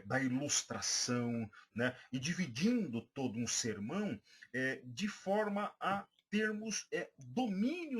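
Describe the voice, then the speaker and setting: Husky brazilian pastor guy teaching a preaching class, lots of uh's and restarts, voice jumps up and down a lot. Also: medium pitch, a bit bright. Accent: Brazilian Portuguese. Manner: hesitant, many fillers and restarts, addresses listeners as brothers. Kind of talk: recorded class for church members.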